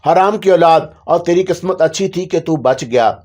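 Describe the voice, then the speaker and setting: A man's voice: fairly high pitch, darkish tone, natural voice. Guy doing a harsh bossy old witch lady, scolding tone, audio story. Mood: angry. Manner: scolding, commanding. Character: stern old female sorceress, harsh and bossy.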